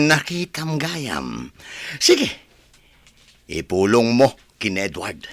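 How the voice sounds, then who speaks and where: An actor playing Franco, a scheming, defiant man who mocks and shouts in a radio drama. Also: medium pitch, huge pitch swings, drawn-out words, exaggerated voice. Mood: mocking. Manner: mocking, shouts when angry. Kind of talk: Ilocano radio drama acting.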